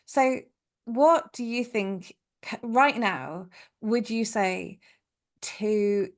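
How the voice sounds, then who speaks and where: A woman's voice: on the high side, extremely slow. A woman hosting a podcast interview, enthusiastic and chatty, correcting herself as she goes. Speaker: podcast host.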